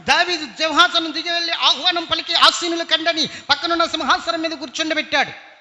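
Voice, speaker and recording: High bright-voiced man preaching in a hall. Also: steady tone, brisk. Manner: emphatic, rhetorical questions repeated. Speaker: pastor. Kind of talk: sermon. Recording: long hall reverb, dull lo-fi sound.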